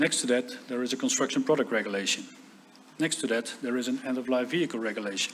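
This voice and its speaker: Talking at a very fast pace with a Dutch accent, a man holds a medium pitch with ordinary variation. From Netherlands. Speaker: industry association director. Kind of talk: conference speech. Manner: halting.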